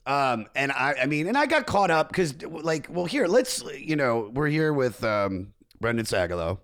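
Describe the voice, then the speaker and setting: A man's voice: medium pitch, sing-song, normal speed, a bit bright, no echo. Man in his forties, dry close sound. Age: 40s. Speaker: podcast host; stand-up comedian. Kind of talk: casual interview chat.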